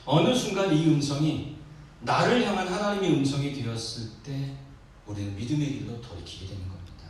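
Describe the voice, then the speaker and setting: Man preaching a sermon, animated up and down voice, far off mic in a big echoey church. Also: a little fast. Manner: swings between booming exhortation and soft asides. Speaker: pastor. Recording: echoey church hall from far off, faint noise.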